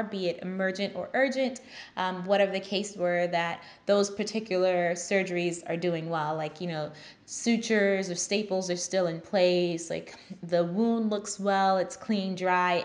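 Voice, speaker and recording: A woman's voice: on the low side, unhurried. Chatty Trinidadian woman vlogger. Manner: animated, gestures a lot, many ums and likes. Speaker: physician assistant vlogger. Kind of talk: casual storytelling to camera. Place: small indoor room, plain grey backdrop.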